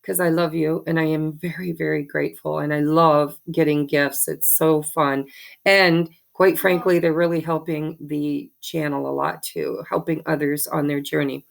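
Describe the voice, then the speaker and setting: Hoarse low-voiced woman, gravelly. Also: flat delivery, normal speed. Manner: warm thankful rambling with many ums. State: hoarse from allergies. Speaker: tarot reader and channel host. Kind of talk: casual chat to viewers.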